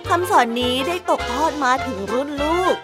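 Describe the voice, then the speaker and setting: A young woman hosting a children's story hour, narrating in a sweet, expressive way to kids, with children's music behind. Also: sits high, moderate pace.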